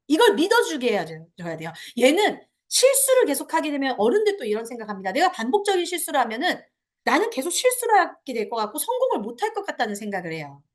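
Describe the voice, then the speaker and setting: A woman's voice: high-pitched, wildly swooping pitch, fast. A woman giving a parent education lecture, talking to parents and acting out little dialogues with children.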